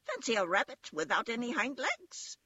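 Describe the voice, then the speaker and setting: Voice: mid-range voice, huge pitch swings, moderate pace, bright, forceful tone, husky, no room sound, muffled recording, pitched above the performer's own voice, full character voice. A narrator voicing a brash, boastful wild rabbit in a storybook, blunt and teasing, exclaiming taunts. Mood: mocking.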